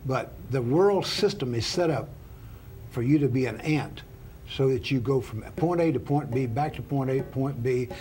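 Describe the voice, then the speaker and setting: A man hosting a Christian television talk show, speaking in a deliberate, sermon-like way with frequent "uh" fillers. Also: medium pitch, lively intonation, dark tone, slight background noise. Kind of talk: preachy opening then interview.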